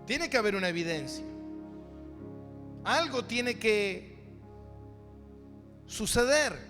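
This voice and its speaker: In an echoey hall, with music underneath, a man delivers a sermon as a pastor. His very high, sharp voice drives an emphatic Bible lesson built on repeated phrases and rhetorical questions aimed at his listeners.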